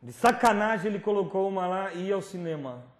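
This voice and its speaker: A man's voice: sits high, lively intonation, a little fast. Man preaching a dramatic testimony. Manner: dramatic storytelling, swinging from whispers to loud pleading. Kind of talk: testimony sermon. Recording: roomy hall recording with faint noise.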